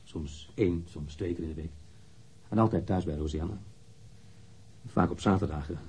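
A husky, low-voiced defensive lover. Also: male voice, normal speed, a little mellow. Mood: matter-of-fact. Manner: blunt, indignant, candid. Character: defensive, wounded male lover questioned by police. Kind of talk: radio drama dialogue.

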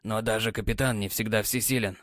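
A man voicing a weary, gruff sea captain who is a tender husband, speaking low with sighs and mutters. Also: steady tone, fairly quick, fairly bright tone, no room sound, clean studio sound, lightly acted. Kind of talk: audiobook character voice.

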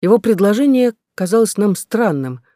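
A man narrating an audiobook in an even, measured reading voice. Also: sits high, no room sound. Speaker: audiobook reader.

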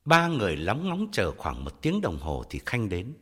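A man reading a story aloud in a dramatic style, expressive and shifting to loud angry character voices. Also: lowish voice, normal speed, husky. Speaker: audiobook narrator. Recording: long hall reverb with faint music.

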